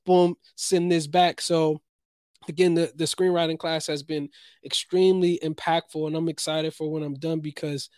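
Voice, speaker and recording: A young man from New Jersey co-hosting a casual podcast, talking in a lively, rambling, slangy way about his week and his writing. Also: fairly high pitch, normal speed, dry recording, studio quality. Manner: animated, rambling storyteller, slangy. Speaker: podcast co-host, playwright. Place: Los Angeles.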